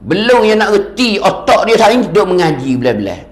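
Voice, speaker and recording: A man giving a sermon lecture as a religious teacher, animated and repetitive, his voice rising and falling for emphasis. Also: high-pitched, a little fast, reverberant.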